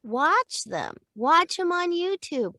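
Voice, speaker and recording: A middle-aged woman, a voice actor and acting coach, chatting in an interview in a lively way and laughing easily. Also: very high-pitched, slow pace, dry recording, clean studio sound. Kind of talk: casual interview chat.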